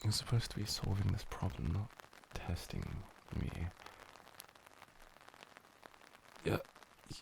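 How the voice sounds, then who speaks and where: A man's voice: deep voice, lively intonation, normal speed, creaky, noisy background, heavily acted. A man playing a flustered, smitten young tutor in a whispered role-play, with a nerdy, awkward, stammering delivery. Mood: flustered, bashful. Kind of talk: whispered role-play, boyfriend ASMR acting.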